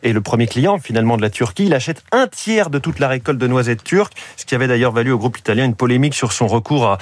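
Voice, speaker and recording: A man giving a radio economics segment in a lively, chatty way, quizzing the host along the way. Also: mid-range voice, fast, no echo. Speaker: economics columnist. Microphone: studio microphone.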